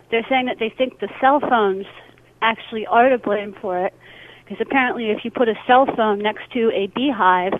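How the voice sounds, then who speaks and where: A woman caller leaving a casual, somewhat halting voicemail message over a tinny phone line. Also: a little high. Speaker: listener calling in. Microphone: telephone.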